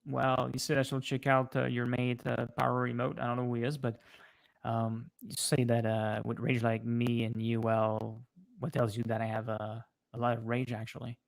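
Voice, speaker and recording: A man with a French accent, a native French speaker, chatting casually on a livestream and answering viewers in a halting way, often pausing mid-sentence. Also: medium pitch, completely flat delivery, vocal fry, low-quality recording. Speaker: livestream host.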